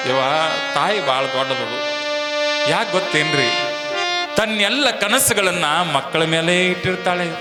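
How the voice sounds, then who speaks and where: A man telling a devotional story as a sermon, dramatic and rising into high, loud, emotional pleas. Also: big-room sound. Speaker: preacher. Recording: music playing behind the voice.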